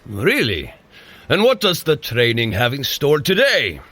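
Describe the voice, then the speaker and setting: A man's voice: mid-range voice, wildly swooping pitch, measured pace, bright, forceful tone, breathy edge, heavily acted. An actor playing a hearty, good-natured warrior god who teases his brother in an audio drama. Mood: puzzled, suspicious. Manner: jovial, frequent chuckles, ribbing. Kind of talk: scripted audio drama dialogue.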